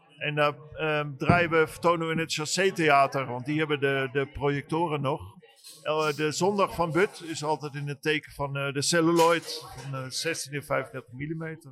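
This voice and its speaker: Over music in the background, a man with a fairly high pitch talks at a fairly slow pace with fairly even intonation. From Netherlands, Rotterdam. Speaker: film festival organizer. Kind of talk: casual chat. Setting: live recording at a film festival.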